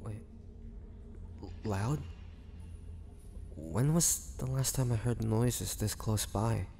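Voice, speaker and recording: Male actor as ancient vampire prisoner, brooding, low-pitched, heavy vocal fry, halting pauses, audio drama, cavernous space. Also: dark tone. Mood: groggy, disoriented. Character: weary, imprisoned ancient male vampire, groggy and menacing. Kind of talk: dramatic audio roleplay acting. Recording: long cavernous reverb, background noise.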